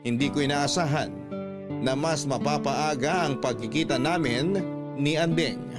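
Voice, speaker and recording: A man narrating in the first person as a father newly out of prison, in steady, reflective scripted radio drama storytelling. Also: a little high, measured pace, over loud music, natural voice. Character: ex-prisoner father narrating his own letter. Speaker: narrator of a letter.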